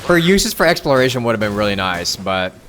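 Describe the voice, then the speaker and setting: A man's voice: lowish voice, big pitch swings, fairly quick, a bit bright. A man livestreaming a game with casual, informal commentary, full of exclamations and muttered asides. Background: game music.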